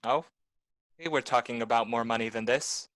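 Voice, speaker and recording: Bright, forceful hard-boiled detective played by a man. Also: mid-range voice, moderate pace, dry recording, close to an everyday voice. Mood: tough, defiant. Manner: terse, deadpan, tough. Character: hard-boiled, wry male private detective. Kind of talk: noir radio play narration and dialogue.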